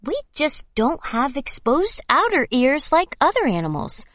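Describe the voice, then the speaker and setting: Brief: kind mother hen, reassuring, unhurried. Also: high-pitched, huge pitch swings, fairly bright tone, no room sound, studio quality, full character voice. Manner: soothing, reassuring. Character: gentle caring mother hen.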